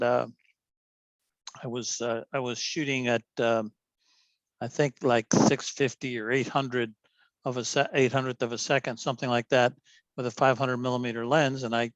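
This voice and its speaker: A man's voice: mid-range voice, no room sound. A man hosting a club's video meeting, telling a rambling story full of fillers and restarts. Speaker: club meeting host. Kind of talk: casual chat on a video meeting. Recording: dull dry mic sound.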